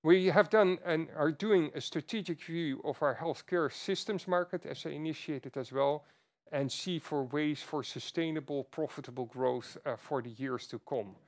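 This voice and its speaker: A man speaking as a chief executive on an earnings call, presenting in a halting way with repeated phrases. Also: a little high.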